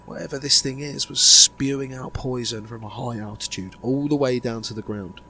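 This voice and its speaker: A man playing a grave insider revealing a sinister conspiracy in an amateur audio drama, speaking deliberately with dramatic pauses. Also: medium pitch, bright, forceful tone, a little hiss or hum. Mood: grave, bewildered.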